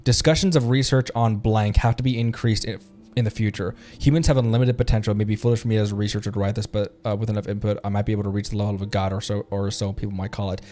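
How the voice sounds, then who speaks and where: A man streaming a game live, reading text aloud haltingly and adding his own commentary. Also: fairly low pitch, steady tone, dark tone.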